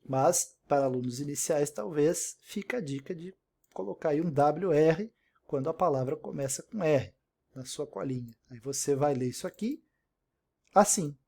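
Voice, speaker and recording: Man teaching pronunciation, slightly high voice. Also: moderate pace, creaky, warm tone. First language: Portuguese. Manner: explains step by step, repeats pronunciations, frequent "né?". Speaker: English teacher. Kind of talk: recorded online language lesson.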